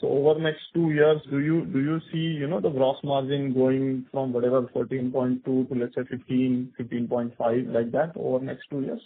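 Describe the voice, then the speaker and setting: A man, an analyst asking halting questions on an earnings call. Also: mid-range voice, level tone, slightly rough. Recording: muffled phone conference line.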